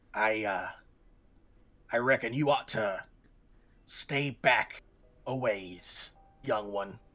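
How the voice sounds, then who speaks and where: A man puts on a character voice, raspy and gravelly, at a medium pitch. He talks at a very slow pace with long, frequent pauses. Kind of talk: rustic, drawling.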